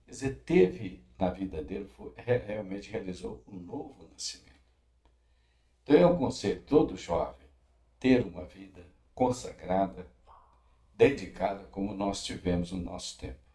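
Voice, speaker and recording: A man speaks at a fairly slow pace, his fairly low voice somewhat breathy with a dark, mellow tone and lively intonation. His loudness swings widely, and he takes long, frequent pauses. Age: 70s. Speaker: pastor. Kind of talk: interview giving advice.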